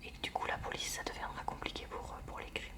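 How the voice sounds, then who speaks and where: Hushed library whisper, woman reading ASMR. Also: fast, far from the mic. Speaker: ASMR creator reading aloud.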